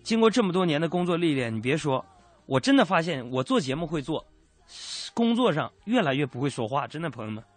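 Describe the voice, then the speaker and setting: A man's voice: fairly high pitch, very animated, fast, no room sound. A male radio host, telling jokes in a comic monologue from a studio and laughing at his own punchlines.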